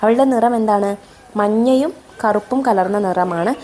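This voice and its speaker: A woman teacher with a Malayali accent explaining a textbook, reading English lines slowly and then explaining them. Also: medium pitch, warm tone.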